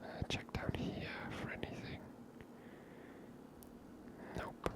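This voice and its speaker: A woman ASMR host whispers slowly through a video game session. Her breathy, unvoiced commentary is chatty and unscripted.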